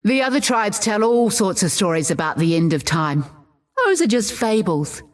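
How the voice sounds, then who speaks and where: A woman playing a proud, opinionated tribal warrior, recounting her people's myths in a measured, assured way for a game. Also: mid-range voice, big pitch swings, lightly acted. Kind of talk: scripted in-character lore narration.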